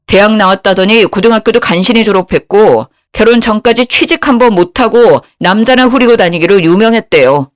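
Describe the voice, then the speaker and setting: A woman's voice: mid-range voice, a little fast, hardly any pauses, no echo, studio quality. A woman in her fifties telling her own story in the first person, indignant. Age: 50s. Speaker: narrator.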